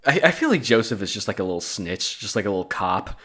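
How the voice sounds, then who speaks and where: With a fairly low, husky, slightly bright voice, this man talks fast and is very animated. He co-hosts a podcast where he reads scripture, then veers into crude jokes and laughs often.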